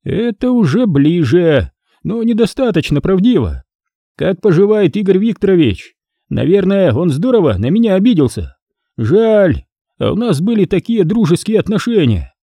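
A man's voice: sits high, very animated, moderate pace, mellow, husky, no room sound, clean studio sound, pitched above the performer's own voice, exaggerated voice. A man voicing a sneering, menacing crime boss who taunts his captive. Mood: mocking. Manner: taunting, barked threats and sly mockery.

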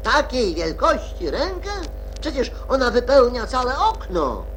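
A bossy white rabbit gentleman from a children's radio play, flustered and quick to scold. The pitch leaps wildly up and down, while the words are drawn out with theatrical impatience. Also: big pitch swings, slight background noise. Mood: scolding, exasperated.

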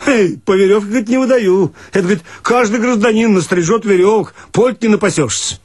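A man voicing a gruff, stubborn male bathhouse attendant, curt and bureaucratic in a radio play. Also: high voice, fast talker, darkish tone, no echo, pitched above the performer's own voice. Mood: stubborn refusal.

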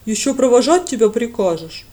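A woman voicing a brash, excitable young highlander man. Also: brisk, lightly acted.

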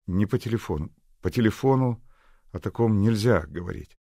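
A man's voice: on the low side, lively intonation, normal speed, warm tone, no echo, clean studio sound, pitched above the performer's own voice. A man voicing an eager, caring young man on a long-distance call. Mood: serious.

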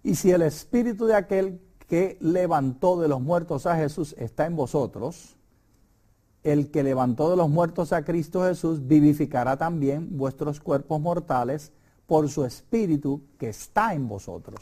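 A man's voice: on the high side, moderate pace, warm tone. A middle-aged Puerto Rican man with a Puerto Rican Spanish accent, leading a conversational Bible study lesson in an emphatic, preacherly way. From Puerto Rico.

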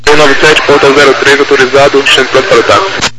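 A Brazilian-accented man of medium pitch gives air traffic clearances in set phraseology. His voice comes through a noisy, crackly military-style radio transmission. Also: level tone, fast.

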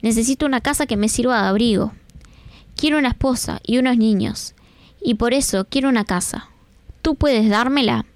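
A woman's voice: fairly high pitch, normal speed, dry recording, natural voice. A woman reading as a boy grown old. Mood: wanting. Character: boy growing into a tired old man.

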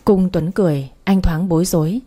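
Woman narrator, first-person story narration, even delivery, mellow tone, a bit husky. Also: lowish voice, fairly quick.

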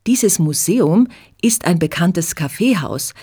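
A woman's voice: on the low side, expressive, takes it slowly, warm tone, breathy edge, heavily acted. A woman voicing a cheerful young woman who patiently explains things to a friend, in a storybook reading. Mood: friendly.

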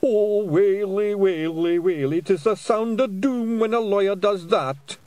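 A man's voice: fairly high pitch, steady tone, slow pace, darkish tone, clean tone, no room sound, voice pushed up. Fearful, groaning pixie, Scottish, dragging his words, played by a man. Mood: wailing dread. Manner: wailing, moaning. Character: timid blue pixie, male, gloomy and fearful.

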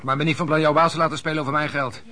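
An actor playing an assertive, cheeky young street peddler in a radio play. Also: male voice, fairly high pitch, fairly even intonation, very fast, bright, forceful tone. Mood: firm. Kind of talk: Dutch radio play acting.

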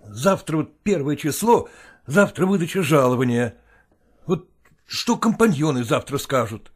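A man's voice: fairly high pitch, animated, unhurried, husky. A man voicing an agitated, hot-tempered male actor who speaks in a heated, insistent way. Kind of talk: audiobook character voice.

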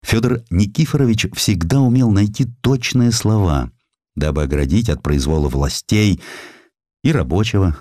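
Low deep guy narrating history stories, really expressive and theatrical, dry close studio sound. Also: no echo. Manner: theatrical, deliberate storytelling with emphatic phrasing. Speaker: audiobook narrator.

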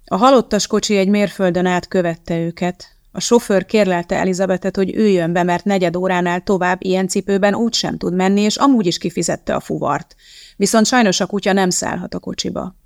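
An audiobook narrator reading a novel in a measured, unhurried storytelling manner. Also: mid-range voice, steady tone, gravelly, dry recording, clean studio sound.

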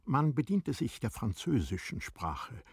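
A man narrating a literary radio drama in a measured, formal storytelling manner. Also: mid-range voice, sing-song, gravelly, slightly rough, dry recording, clean studio sound.

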